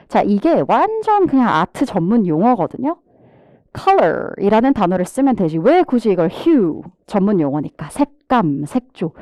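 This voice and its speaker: A woman's voice: medium pitch, dry recording. A woman TOEFL instructor giving a live online vocabulary lecture, having students repeat English words after her and talking straight to the class. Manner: lively teacher drilling pronunciation, has students repeat words; addresses the class directly, mixing English words into explanations.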